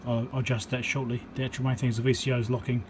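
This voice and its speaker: Working at his home workbench, an electronics repair presenter chats casually and thinks out loud, full of ums and pauses, sometimes counting into the mic. His mid-range voice keeps a level tone against a noisy background.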